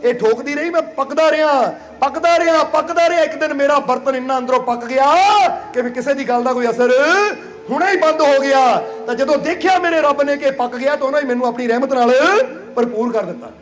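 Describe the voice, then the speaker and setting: This man's voice is extremely high and fast as he delivers a sermon to his congregation in Punjab, India, where he serves as spiritual leader. He coaxes and teases, laughs between lines, repeats himself, and often asks if everyone understands.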